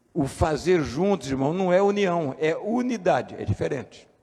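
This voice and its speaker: A man talks at a fairly slow pace in a dark, mellow tone. His fairly high pitch moves in very wide swings. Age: 70s. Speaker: deacon preacher. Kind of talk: sermon.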